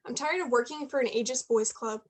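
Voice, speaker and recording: A woman plays a driven young female journalist in a contemporary stage play. Her voice is distinctly high. She speaks frankly to a close friend, ambitious and easily frustrated. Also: a little fast, lightly acted. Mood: frustrated, venting.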